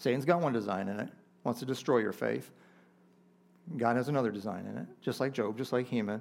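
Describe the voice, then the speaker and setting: A man of medium pitch speaks at a fairly quick pace with vocal fry and long, frequent pauses. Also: ordinary pitch variation. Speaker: pastor. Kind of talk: sermon. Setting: church with congregation. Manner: conversational, occasional laughs.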